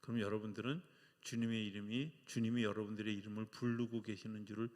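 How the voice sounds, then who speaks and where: A man's voice: fairly low pitch, steady tone, fast, a little mellow. A man preaching a Friday night sermon to his congregation as their pastor, asking them questions and answering them himself in a conversational way. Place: church sanctuary. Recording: long hall reverb.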